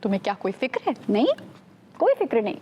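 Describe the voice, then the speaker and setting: A nagging wife. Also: female voice, on the high side, sing-song, quick pace, mellow. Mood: scolding. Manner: nagging, scolding. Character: exasperated wife scolding her husband.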